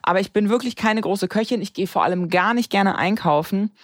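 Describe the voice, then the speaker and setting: A woman's voice: medium pitch, fairly quick, no room sound. Dry close-miked woman podcast host. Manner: colloquial, peppered with English slang. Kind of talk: casual chat.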